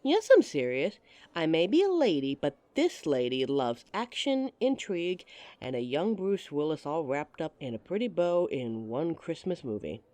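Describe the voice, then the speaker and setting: A woman's voice: sits low, very animated, normal speed, mellow, no echo. Giggly teasing woman, voice bouncing all over, close dry mic, flirty chatty roleplay. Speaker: audio roleplay performer. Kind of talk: scripted roleplay monologue to a listener.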